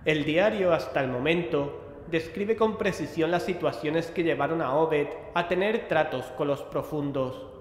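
An actor from playing a serious investigator who explains things in a measured way, in an audio drama. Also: male voice, fairly high pitch, lightly acted. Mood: serious, explanatory. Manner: measured, expository. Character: serious male investigator briefing a colleague. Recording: echoing hall, noisy ambience.

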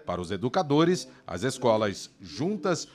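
A man's voice: medium pitch, sing-song, normal speed. A man reading a scripted television news report as the reporter.

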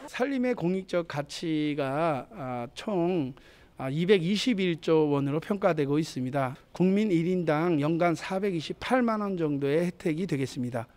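A man's voice: on the high side, lively intonation, darkish tone. Hesitant male academic in an interview. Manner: halting, stops to find figures. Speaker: university dean interviewed. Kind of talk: interview soundbite.

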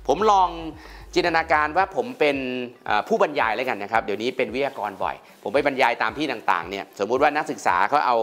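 Middle-aged guy reviewing a phone, lively, keeps going "wow", talks right at the viewers. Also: mid-range voice. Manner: animated, exclaims often, addresses viewers directly. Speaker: tech reviewer host. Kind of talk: casual product review.

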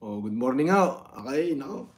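A middle-aged man with a Filipino accent chatting casually on a livestream, greeting viewers in a drawn-out way with many pauses and interjections. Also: mid-range voice, sing-song. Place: indoor room with framed painting. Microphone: phone propped at arm's length.

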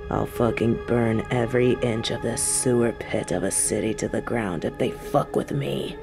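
A woman's voice: very deep voice, gravelly, heavily acted. A woman playing a possessive female mafia boss and doting girlfriend in a scripted, intimate audio roleplay. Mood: cold, menacing. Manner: swings between cold threats and tender pleading. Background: background music.

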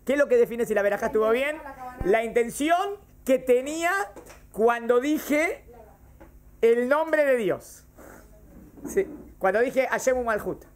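A man's voice: extremely high pitch, expressive, unhurried, pauses often, slight background noise. Male teacher quizzing his class. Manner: explains by repeating cases and quizzing students. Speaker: religion teacher. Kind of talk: classroom lesson on Jewish law. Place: classroom with students.

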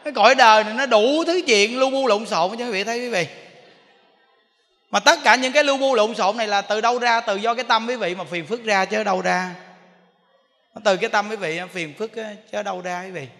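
A Buddhist monk with a Southern Vietnamese accent giving a sermon, telling stories animatedly and laughing with the audience in a temple hall. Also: male voice, high voice, a little fast, bright, forceful tone. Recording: long reverb in a large hall.

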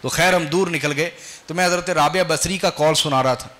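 A man's voice: fairly high pitch, brisk, sharp tone, slight background noise. A man preaching a sermon, prodding his listeners with rhetorical questions and swelling into emphatic stresses. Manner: quizzes the audience with rhetorical questions.

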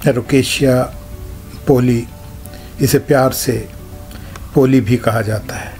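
Slow, flat-voiced man explaining plant care. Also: mid-range voice, soft background music. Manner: halting, explains in short phrases; shows things hands-on while talking. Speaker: gardening channel host.

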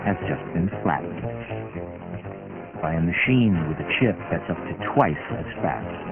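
Man, ad voice-over, very low gravelly voice, lo-fi phone-like sound. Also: lively intonation, a little slow. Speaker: ad voice-over announcer. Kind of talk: deep-voiced commercial voice-over. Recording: tinny lo-fi archive audio with loud music.

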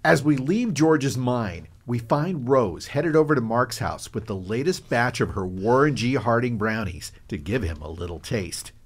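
A man's voice: mid-range voice, lively intonation, measured pace, hardly any pauses. A man narrating a radio drama in a storytelling style.

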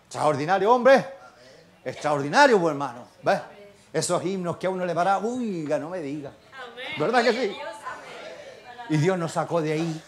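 An older man preaching in a Chilean accent, his voice sitting unusually high for a man. He moves from hushed, confiding asides to shouted exclamations and keeps pressing the congregation with questions. A faint murmur of the congregation sits behind him. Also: animated, normal speed, pauses often, some chatter behind. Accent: Chilean Spanish. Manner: fervent, swings from quiet asides to shouted exclamations. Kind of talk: sermon. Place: church service.

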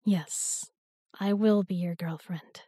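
A woman's voice: lowish voice, steady tone, slow pace, warm tone, breathy edge, dry recording, studio quality. A young woman playing an affectionate, teasing new girlfriend in an intimate roleplay audio, with a playful, tender, coaxing manner.

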